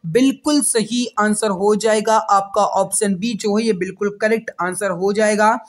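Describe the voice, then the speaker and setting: A man teaching a quiz-based exam-prep lesson, speaking directly to students in a repetitive, emphatic coaching manner. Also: high voice.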